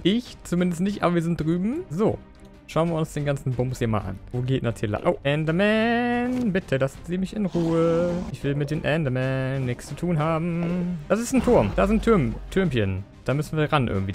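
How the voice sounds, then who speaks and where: A young man rattles off excited let's-play commentary at speed, his voice gravelly with fry. He keeps addressing the game and his viewers in jumpy, slangy bursts, with faint music running under him. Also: medium pitch. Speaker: Minecraft let's player.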